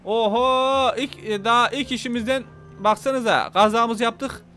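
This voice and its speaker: Excitable high bright-voiced man gaming. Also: a little slow, a little hiss or hum. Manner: excitable, talks to viewers and passengers. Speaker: gameplay commentator. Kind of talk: casual gaming commentary.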